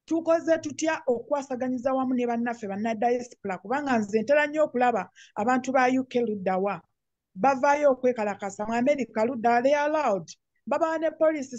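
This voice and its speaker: A woman with a Ugandan accent speaks off the cuff as an activist addressing an online meeting. Her voice sits on the high side. It comes through a slightly dull, dry call connection. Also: darkish tone, no room sound. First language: Luganda. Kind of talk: impromptu political address.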